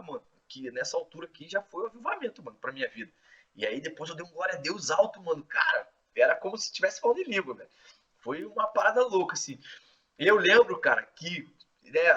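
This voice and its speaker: A man casually telling his testimony in an excitable, slangy way, full of filler words. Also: a little high, breathy edge. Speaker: host sharing his testimony. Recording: distant, dull lo-fi mic.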